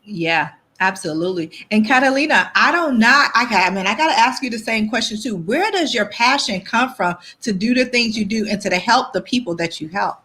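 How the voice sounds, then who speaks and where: Bright-voiced woman hosting an interview. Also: on the high side, lively intonation, a little fast, few pauses. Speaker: podcast host. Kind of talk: conversational interview.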